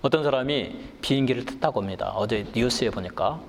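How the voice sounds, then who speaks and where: A middle-aged man preaching a sermon as pastor, animated, swinging from low calm phrases to loud high emphasis. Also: brisk, slight background noise. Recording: long hall reverb.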